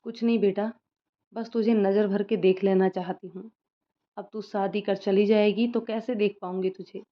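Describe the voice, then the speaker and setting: A woman's voice: medium pitch, steady tone, moderate pace, lightly acted. A woman voicing a soothing, loving mother. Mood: wistful. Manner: soothing and tender. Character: loving middle-aged mother, emotional. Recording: slightly muffled lo-fi recording.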